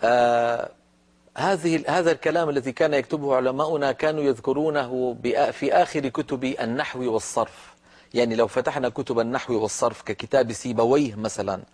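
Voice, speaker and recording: A man teaching Quran recitation in a televised lesson, explaining letter sounds in a measured, deliberate way and demonstrating them slowly. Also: medium pitch, a little mellow.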